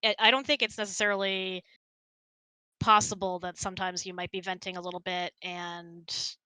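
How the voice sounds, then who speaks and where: A woman's voice: on the low side, little pitch movement, moderate pace, pushed and bright, clean tone, no echo, low-quality recording. A middle-aged woman in casual conversation, talkative and explanatory as she hosts and answers questions. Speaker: host of a couple's hangout. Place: close, dry room on an online voice chat.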